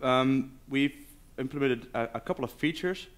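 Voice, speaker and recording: Guy at a conference doing q&a, clean resonant voice, keeps stopping to find his words. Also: medium pitch. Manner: halting, searching for words. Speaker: conference speaker, game developer. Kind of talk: informal question-and-answer after a presentation. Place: live conference session.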